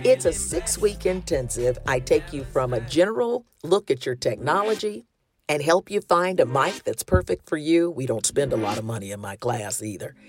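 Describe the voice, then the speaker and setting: A woman talk show host with a Southern US accent, a loud voice and a big laugh, talking in a lively, folksy way. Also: low voice, normal speed, faint music behind. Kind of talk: casual chat and promo.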